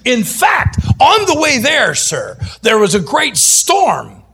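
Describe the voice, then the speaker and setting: A man preaching a sermon, animated and jokey, moving between loud outbursts and quiet asides. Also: very high voice, slow, breathy edge.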